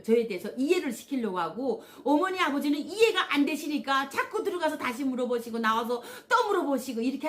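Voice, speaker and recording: A woman from Korea, telling a personal story on her own channel. She talks animatedly, acts out the voices of people she quotes, and often slips in "yes" and "uh" as fillers. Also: a little high. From North Korea. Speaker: channel host.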